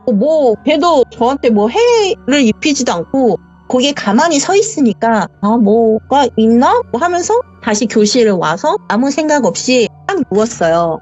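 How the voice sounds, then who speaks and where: Animated woman caller on a muffled line. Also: sits high, moderate pace, few pauses, soft background music. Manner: vivid, acts out the dialogue. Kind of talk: telling a true ghost story. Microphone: voice call. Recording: dull lo-fi voice call.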